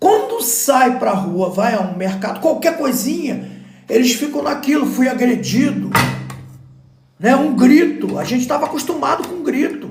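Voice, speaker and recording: A man with an extremely high voice and lively intonation, speaking at a fairly slow pace, with audible room echo and music in the background. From Rio de Janeiro, Brazil. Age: 60s. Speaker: lawyer and online commentator. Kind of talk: casual live-stream monologue. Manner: conversational, informal.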